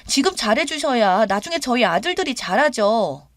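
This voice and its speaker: A woman voices a young, demanding daughter-in-law, speaking in a pushy, complaining, indignant way. Her slightly high, sing-song voice, pitched above her natural one, moves at normal speed in a studio-quality recording with no room sound.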